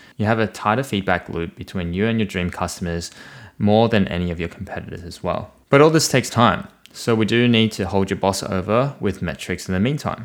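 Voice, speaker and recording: Over a silent background in a very clean recording, a man with a plain, everyday voice speaks at a fairly quick pace, his fairly low pitch showing ordinary variation. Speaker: podcast host. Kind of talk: casual co-hosted podcast chat about marketing.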